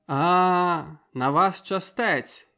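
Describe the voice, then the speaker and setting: A male audiobook narrator voicing a loud, teasing, middle-aged village woman who shouts jokes and brusque orders. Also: fairly high pitch, sing-song, takes it slowly, full character voice. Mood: teasing, boisterous.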